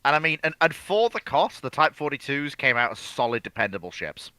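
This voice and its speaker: Bright, forceful man in casual discussion. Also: medium pitch, big pitch swings, brisk, clear, resonant tone, no room sound. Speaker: panel co-commentator.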